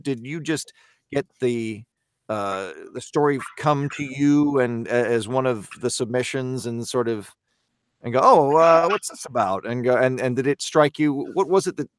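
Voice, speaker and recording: A man hosting a podcast, chatting casually and haltingly with many restarts. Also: medium pitch, no echo, studio quality. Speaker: podcast host. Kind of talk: casual chat on a video call.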